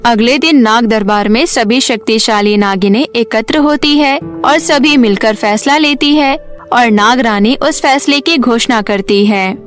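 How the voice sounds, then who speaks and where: A woman narrates a scripted story for children. Her voice sits high. Light music plays behind the narration. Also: a little slow. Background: background music.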